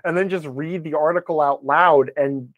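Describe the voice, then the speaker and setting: Higher-voiced man chatting, close dry sound. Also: normal speed, no room sound. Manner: rambling, animated self-quoting, self-deprecating joking. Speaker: podcast guest, game advice blogger. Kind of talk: casual conversational interview talk.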